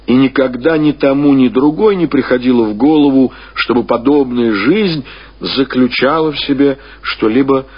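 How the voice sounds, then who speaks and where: A man reading classic literary prose as a radio narrator, in a measured, expressive storytelling manner with deliberate phrasing. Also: medium pitch, husky. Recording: dull lo-fi radio recording.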